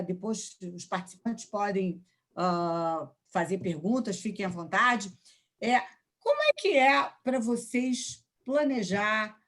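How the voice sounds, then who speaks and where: Brazilian lady moderating a business live, medium pitch, asking the panelists stuff.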